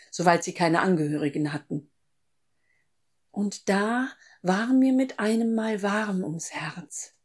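An actress playing a devout, motherly pilgrim in a reflective, measured first-person radio play monologue. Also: medium pitch. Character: devout, motherly woman, doubtful but dutiful pilgrim.

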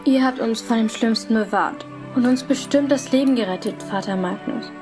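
A woman's voice: a little high, moderate pace, over music, close to an everyday voice. A female performer playing a polite, worried young medieval girl in a German audio drama, earnest and deferential. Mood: grateful, hesitant.

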